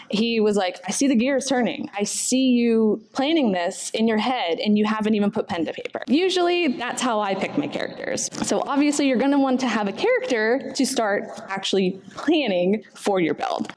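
A woman's voice: medium pitch, a little mellow. A young adult woman presenting informally at a convention panel, speaking in a conversational, encouraging way into a table microphone. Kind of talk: informal slide presentation to a room. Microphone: table microphone on a stand.

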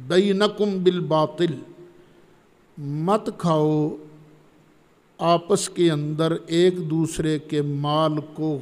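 A man giving a Quran commentary lecture, reciting Arabic verses slowly and then explaining them. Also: on the high side. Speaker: Quran teacher. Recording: long hall reverb.

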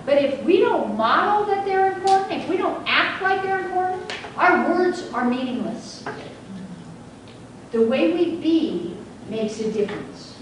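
A woman facilitator speaks to a seated group in a large training room, heard from the back of the room, her voice fairly high. The room is very echoey and she sounds far from the mic, with a faint hiss underneath. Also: big pitch swings, measured pace. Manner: engaging, asks the audience questions. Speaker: workshop facilitator. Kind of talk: teacher training presentation. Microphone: room recording from the back.

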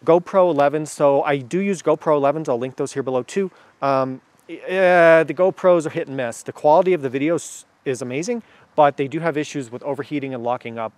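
Guy in his 30s going over his moto gear outside, lapel mic, kinda high voice, lots of ums. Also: fairly quick, no room sound. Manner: enthusiastic, chatty, many fillers. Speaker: motorcycle gear reviewer. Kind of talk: casual gear review to camera. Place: outdoors beside a motorcycle and gear table.

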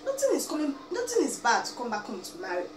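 Seated in a small room at home, a young Nigerian woman from Abia State with an Igbo accent pleads and scolds into a camera a few feet away, dropping "eh?" and "biko" often. Her highish voice swoops wildly in pitch and moves quickly through this animated vlog rant. The home recording sounds distant, roomy and noisy.

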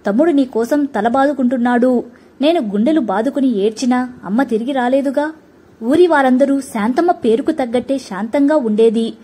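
A woman reading a short story aloud, narrating gently and with feeling, voicing each character herself. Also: sits high, moderate pace, slightly rough. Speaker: story reader.

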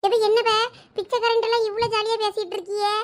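A woman voicing a sharp-tongued, nosy young village woman in a comic skit. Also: extremely high pitch, level tone, fast. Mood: teasing. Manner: sharp-tongued, mocking, chatty.

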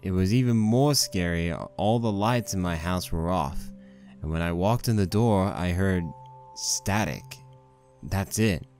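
A man's voice: low voice, measured pace, a little mellow, soft background music. A man playing a young married stallion pony husband, rambling wryly and sheepishly through a fan fiction monologue. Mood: wry storytelling. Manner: conversational, rambling, wry.

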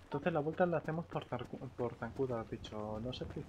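A man's voice: medium pitch, brisk, lo-fi sound. A man with a Castilian Spanish accent chatting casually in character during a game roleplay session. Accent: Spain Spanish. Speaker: gaming roleplayer and streamer. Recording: noisy game audio with ambient sounds.

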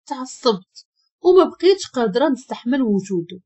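Husky Moroccan woman telling a dramatic story. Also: fairly high pitch, very animated, brisk, warm tone. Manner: emotional, dramatic. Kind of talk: first-person dramatic story narration.

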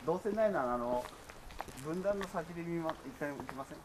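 A synthetic woman's voice reading out viewer chat comments in a flat way. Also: low voice, fast, crowd noise, poor audio.

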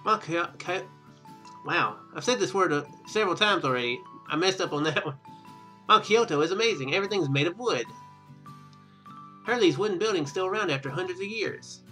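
In this casual game playthrough, a young man acting as let's play host speaks in a high, expressive voice that is a little fast, pushed and bright. He reads the narration and comments as game music plays, now and then stumbling and rereading words.

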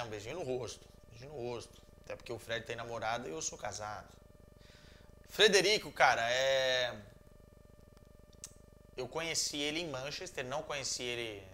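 Brazilian man in his thirties, relaxed and joking football chat, talks with his hands, medium-pitched voice, small home room with a faint hum behind him. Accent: Brazilian Portuguese. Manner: animated, joking, gestures a lot. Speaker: football commentator answering viewers. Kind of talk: casual chat.

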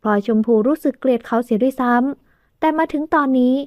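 A woman narrating an audio novel with steady, even storytelling. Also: sits high, a little fast, no echo. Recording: dull dry studio recording.

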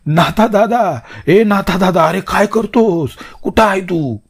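A man's voice: on the high side, normal speed, slightly rough, voice pushed up. A man voicing a panicked, grieving younger brother who pleads through tears. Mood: frantic. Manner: frantic, tearful pleading. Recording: loud steady hiss with crickets.

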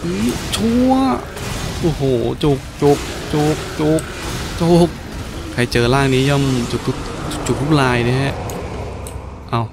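A man's voice: mid-range voice, sing-song, slow pace, pauses often, background noise. A man giving casual gameplay commentary, playful and crude, with slangy talk and frequent exclamations. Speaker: gaming host. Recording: game music behind the voice. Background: game music.

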